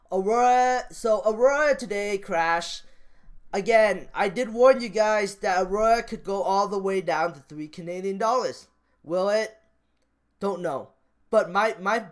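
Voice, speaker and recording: High-pitched, clear-voiced man rambling casually. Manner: rambling, repeats phrases, trails off and restarts. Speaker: stock market vlogger. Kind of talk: casual off-the-cuff vlog commentary.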